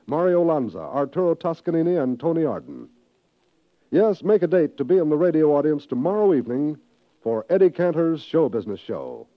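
A man with an American accent announcing formally in the style of 1950s network radio. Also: a little high. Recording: dull old radio recording.

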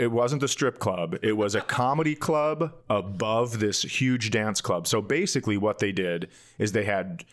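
A middle-aged man, a comedian and podcast co-host, telling casual comic stories in a candid, self-deprecating way. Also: lowish voice.

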